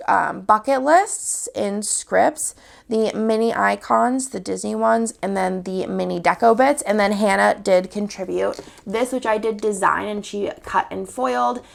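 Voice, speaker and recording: Upbeat young woman, sniffly cold, gravelly fry, medium pitch, casual shop-owner vlog. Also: measured pace. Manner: chatty, upbeat, walks through items one by one. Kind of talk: casual product showcase.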